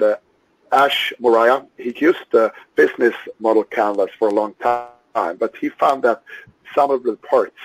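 A man from Sweden, a native Swedish speaker, giving a webinar lecture in English on product work, pausing often with uhs and ums. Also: mid-range voice, darkish tone, slightly rough, rough recording. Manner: halting, many uhs and ums. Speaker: Scrum trainer. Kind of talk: webinar lecture over slides.

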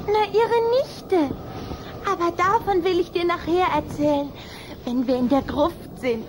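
A woman's voice: very high-pitched, unhurried, noisy background. A woman playing a lovestruck, coy little vampire girl who is easily offended, in a children's radio play. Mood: playful. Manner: giggly, coy, pouting.

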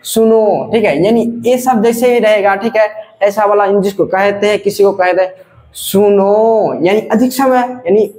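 A male teacher giving a classroom grammar lesson, drawing out example sounds slowly and saying "ठीक है" again and again. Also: sits high, fairly even intonation, darkish tone, echoey room.

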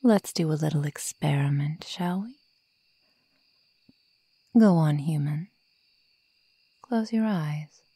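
Woman playing a breathy, sadistic werewolf girl, very slow. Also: low-pitched, dark tone, dry recording, heavily acted. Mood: cruel, playful. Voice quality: breathy, whispery. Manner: slow, taunting, menacing. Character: sadistic young female werewolf toying with her prey. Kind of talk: ASMR roleplay. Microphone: close microphone, dry.

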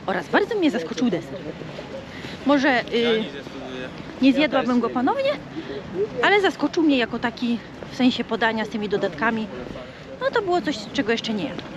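Lively woman vlogger co-hosting, slightly high voice, lo-fi outdoor street recording with crowd noise. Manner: chatty, animated, laughs often. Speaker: food vlogger. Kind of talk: casual chat.

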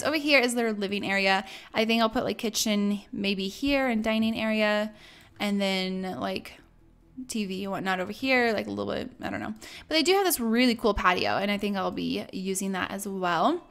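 A young woman casually commenting over a life-sim game, chatty and upbeat with lots of fillers, her voice a bit strained as it goes out. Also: medium pitch. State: losing her voice. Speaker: let's play host.

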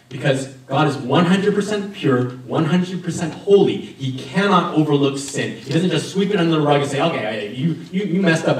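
Animated man preaching in an echoey church. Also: on the high side, a little hiss or hum. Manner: animated, conversational, gesturing at a lectern. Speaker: pastor. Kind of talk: sermon with personal story. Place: church sanctuary with stained glass, indoors. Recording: very echoey room from far off.

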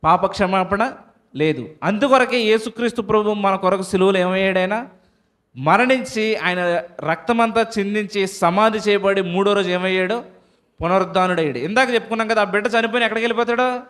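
A man preaching a sermon, posing questions to the congregation and answering them himself, and reading scripture slowly. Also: high-pitched, fairly bright tone. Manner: reads scripture slowly and deliberately.

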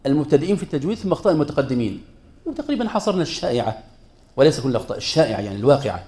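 A man's voice: medium pitch, dark tone. A man teaching a class on Quran recitation rules, speaking emphatically and putting rhetorical questions to his students. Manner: mixes formal Arabic with colloquial asides.

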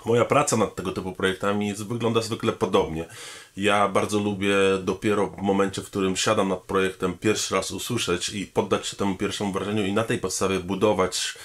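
A man, a pianist and composer, speaking formally and thoughtfully about his work and pausing often on hesitation sounds. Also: fairly low pitch, little pitch movement, fairly bright tone. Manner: measured and thoughtful, with frequent hesitation fillers; formal, polite address to the audience. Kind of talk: promotional talking-head statement.

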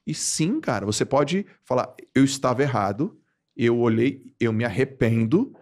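A man from Brazil in his forties, a podcast guest telling stories in casual slangy chat, with big jumps in pitch for emphasis. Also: lively intonation, moderate pace, darkish tone.

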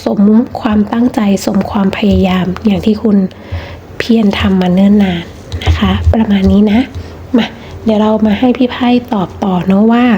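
A woman's voice: medium pitch, steady tone, normal speed, mellow, dull audio, a little hiss or hum. A woman reading tarot cards in a chatty, casual monologue, emphatic and repeating herself with many fillers. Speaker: tarot card reader.

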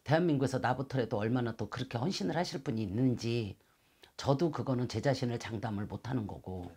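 A middle-aged woman who works as a shaman fortune teller answers interview questions in a shrine room lined with calligraphy screens, wearing a clip-on mic. She explains earnestly and gestures with her hands. Her voice is rumbling low and dark, and she speaks quickly.

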